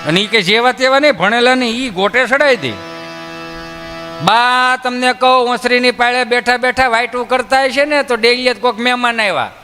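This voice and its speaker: A man tells rural jokes as a folk comedian in a high-pitched voice. His tone is bright and ringing. The sound carries a long hall echo, with faint music under it. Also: steady tone, moderate pace. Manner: acts out villagers' voices in his tales. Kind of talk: Gujarati folk comedy storytelling on stage.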